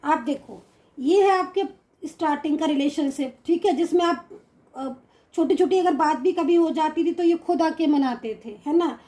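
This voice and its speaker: A woman with an Indian accent giving a general tarot reading to her viewers, mixing English words into Hindi, with many pauses and reassuring asides. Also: high-pitched, dark tone. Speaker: tarot card reader.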